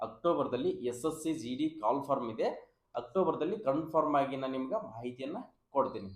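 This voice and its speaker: A man's intonation is lively while music plays behind him. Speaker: career guidance video creator. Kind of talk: tutorial. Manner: informal.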